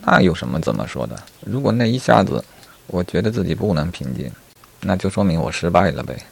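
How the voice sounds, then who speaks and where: A man's voice: low voice, big pitch swings, fairly quick, gravelly, slightly rough, exaggerated voice. A man telling a story and voicing a talkative male rabbit who reasons earnestly about the meaning of his life before death. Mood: earnest musing.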